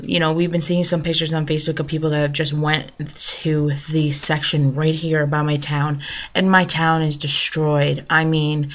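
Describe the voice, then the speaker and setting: An American woman giving an unscripted, serious personal vlog account in a halting, rambling way, with a gravelly fry in her voice. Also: low-pitched, a bit bright. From United States, New Jersey shore. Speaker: vlogger, storm survivor.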